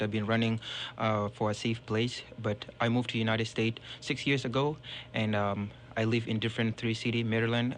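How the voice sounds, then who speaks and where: Young man, low flat voice, hesitant radio candidate with faint noise behind. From Ethiopia. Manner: halting, many fillers. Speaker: city council candidate.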